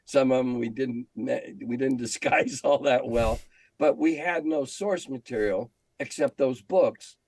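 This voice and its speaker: An older man, a game designer and magazine editor appearing as a guest, reminisces casually in an interview. His mid-range voice is a little mellow and measured, the recording dry, and he repeats phrases emphatically to drive his point home.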